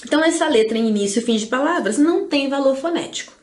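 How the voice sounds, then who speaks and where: A woman's voice: sits high, expressive, fast, darkish tone, roomy sound. A woman from Espírito Santo, Brazil, teaching an exam-prep lesson in a chatty way, with playful asides and many tag questions. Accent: Brazilian Portuguese, Espírito Santo.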